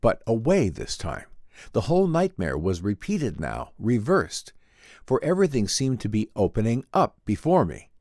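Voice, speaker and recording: Man giving a dramatic, low-pitched story reading. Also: huge pitch swings, normal speed, darkish tone, no room sound, studio quality. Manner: theatrical, melodramatic first-person delivery. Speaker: audiobook reader. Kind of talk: dramatic reading of vintage science fiction story.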